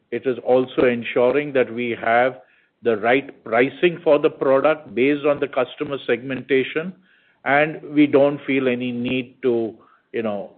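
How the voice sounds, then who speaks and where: A man with an Indian accent speaks in a measured, corporate way, padding his points with "you know". His voice sits at a middling pitch and comes through a thin, tinny conference phone line. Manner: measured corporate speech with frequent 'you know'. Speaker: bank executive. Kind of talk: earnings call commentary. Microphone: conference call line.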